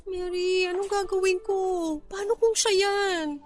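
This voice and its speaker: An actress playing a proud, emotional young bar hostess in a radio drama. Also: female voice, extremely high pitch, little pitch movement, unhurried, soft background music. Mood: anxious. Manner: emotional, defensive, firm. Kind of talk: Tagalog radio drama acting.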